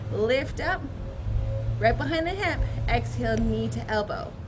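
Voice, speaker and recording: A woman talks at a very slow pace, with noticeable background noise behind her. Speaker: fitness instructor. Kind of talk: guided exercise class, cueing movements. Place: garden. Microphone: camera far.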